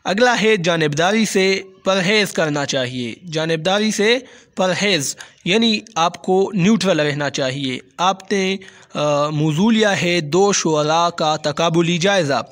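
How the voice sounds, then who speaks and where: A man with a Pakistani Urdu accent explaining points in a measured lecture, often pausing on hesitant fillers. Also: sits high, fairly bright tone. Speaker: teacher.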